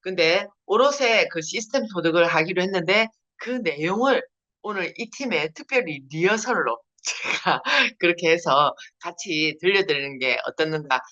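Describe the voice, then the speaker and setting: A woman's voice: on the low side, expressive, normal speed, sharp tone. A woman from Busan with a strong Gyeongsang accent, giving a chatty seminar talk over a video call and laughing often. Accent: Busan Gyeongsang dialect. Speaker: network marketing leader giving a seminar. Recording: dull lo-fi video call audio.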